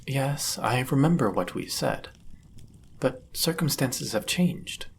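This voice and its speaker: A man's voice: mid-range voice, expressive, creaky, a little hiss or hum. A man voicing a powerful, possessive demon in love, speaking intensely and formally in a dramatic fantasy audio roleplay. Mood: earnest, possessive. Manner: intense, deliberate, formal and archaic phrasing. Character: powerful, possessive, lovestruck male demon bound to a sorcerer.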